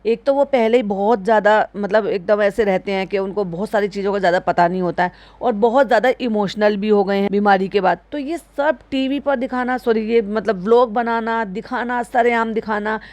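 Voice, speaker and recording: A woman's voice: mid-range voice, normal speed, few pauses, darkish tone, dry recording. A woman giving casual, critical reaction commentary in speech, asking pointed rhetorical questions.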